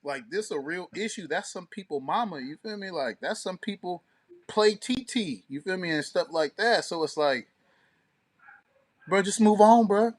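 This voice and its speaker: His voice is high and his pace moderate. He's a man co-hosting a laid-back radio talk show, telling stories and bantering in a lively, slangy, profane manner.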